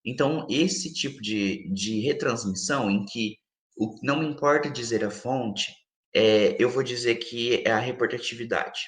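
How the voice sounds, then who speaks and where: A man's voice: mid-range voice, moderate pace. A male linguistics professor with a Brazilian Portuguese accent, patiently explaining ideas with many examples as an interview guest. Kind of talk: explanatory academic interview answer. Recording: roomy echo.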